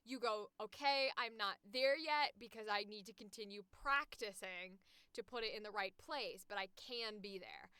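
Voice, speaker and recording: A woman who works as a voice actor, chatting casually on a stream in an animated, emphatic, frank way, close to the microphone. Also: mid-range voice, normal speed, few pauses, smooth, no room sound. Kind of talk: casual chat.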